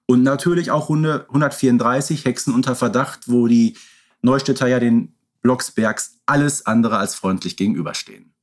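A man's voice: mid-range voice, moderate pace. A man co-hosting a podcast, talking through a story outline in an informal retelling style. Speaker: podcast host.

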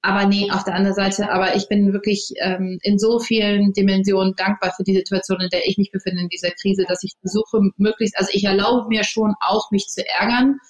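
A company founder in her thirties, a native English speaker, talks casually as an interview guest. Her medium-pitched voice is level and a little fast with hardly any pauses, yet thoughtful and hesitant, full of ums and restarts, and the room adds noticeable echo.

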